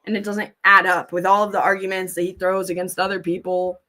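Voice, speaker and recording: A woman's voice: lowish voice, flat delivery, brisk, pushed and bright. Blunt woman chatting on a livestream. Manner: informal, blunt, swears freely; rambling, thinking aloud. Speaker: live streamer, host. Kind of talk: casual livestream chat, commentary, reading viewer comments aloud.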